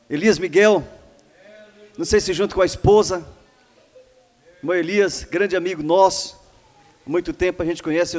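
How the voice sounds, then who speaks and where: A man's voice: sits high, darkish tone. A man with a Brazilian Portuguese accent presenting a church service, fervently calling out praise and welcoming viewers. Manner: fervent, repeated praise calls. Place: church hall. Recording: reverberant church hall.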